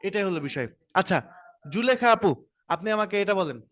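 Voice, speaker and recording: A man's voice: high-pitched, animated, moderate pace, fairly bright tone. A man teaching a Quran pronunciation class over a video call, patiently modelling letter sounds for students to repeat. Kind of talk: online class, pronunciation drills.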